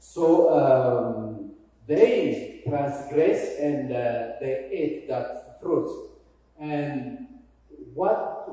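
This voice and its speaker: Ethiopian guy preaching slow, lots of uh pauses, dark voice, big echoey church, mic kinda far. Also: a little high. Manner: halting, frequent pauses with "uh", repeats key phrases. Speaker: guest pastor. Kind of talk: sermon. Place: church sanctuary.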